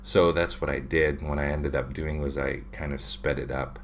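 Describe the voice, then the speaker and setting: Low-voiced man chatting on a livestream. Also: flat delivery, moderate pace, slight background noise. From Philippines. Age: 30s. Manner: chatty, reads viewer questions aloud with many fillers. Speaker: livestream host, drawing channel. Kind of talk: casual livestream chat. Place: home room with shelves of figures. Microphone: webcam at desk.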